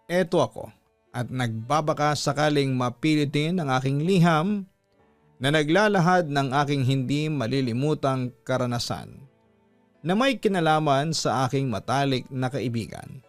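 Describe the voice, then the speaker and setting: A man's voice: medium pitch, no room sound. A man with a Filipino accent hosting a story show, reading out a listener's letter as scripted narration.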